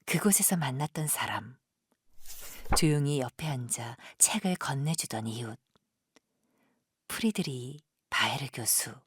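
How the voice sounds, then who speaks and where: A woman narrator with a very low voice and a soft, breathy, husky texture. She tells a literary audio drama in a hushed, solemn and lyrical storytelling style. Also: lively intonation, a little slow, long pauses, dry recording, clean studio sound.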